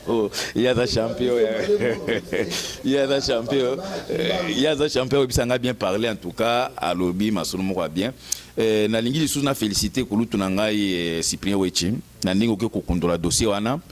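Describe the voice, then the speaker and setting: A Congolese man giving informal political commentary. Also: fairly low pitch.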